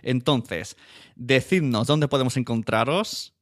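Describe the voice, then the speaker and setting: Guy hosting a podcast, chatty interview style, normal mid pitch. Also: takes it slowly. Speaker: podcast host. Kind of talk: casual conversational interview.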